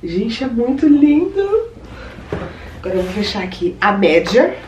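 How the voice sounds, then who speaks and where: A woman's voice: a little high, very animated, unhurried. A young Brazilian woman with a Brazilian Portuguese accent, chatting effusively to her viewers in a casual unboxing vlog at home. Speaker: vlogger. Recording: roomy echo, distant mic, faint ambient noise.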